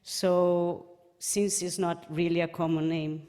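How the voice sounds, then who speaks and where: A woman's voice: fairly low pitch, flat delivery, slow pace, warm tone. A woman from Brazil with a Brazilian Portuguese accent, giving a personal remembrance speech at a memorial event, telling anecdotes and laughing lightly between remarks. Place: lecture hall. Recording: hall reverb.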